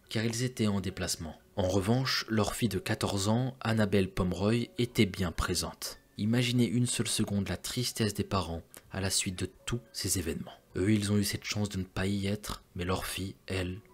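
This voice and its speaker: A man's voice: fairly low pitch, steady tone, moderate pace, hardly any pauses, breathy edge. A man narrating a true crime story in a casual, chatty way, talking straight to his viewers with joking asides.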